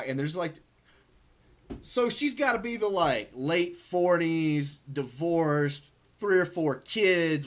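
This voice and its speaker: A man hosting a podcast, telling a story in a loose, profane, animated way. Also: a little high. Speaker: podcast host. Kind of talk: casual storytelling chat.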